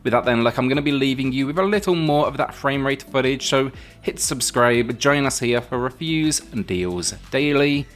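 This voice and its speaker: A male reviewer with a mid-pitched voice narrates over background music. His delivery is conversational yet scripted, built from measured phrases, and he leans firmly on the start of each new point. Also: lively intonation, fairly bright tone. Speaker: game reviewer, channel host.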